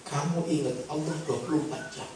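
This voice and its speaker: A male preacher voicing a sly, scheming male devil in a low, hushed, confiding tone. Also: steady tone, fast, slight background noise, close to an everyday voice. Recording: echoey hall from far off.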